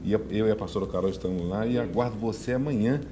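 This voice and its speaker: A man's voice: on the low side, fast talker, dark tone, a little hiss or hum. A man, a pastor chatting on a TV talk show and promoting church services. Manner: upbeat promotional delivery with laughs. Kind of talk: casual talk-show chat and church announcements. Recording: music bed behind the voice.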